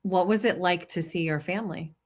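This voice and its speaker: An interviewer who asks short questions and affirms often. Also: mid-range voice. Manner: slow, affirming, brief interjections. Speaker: host.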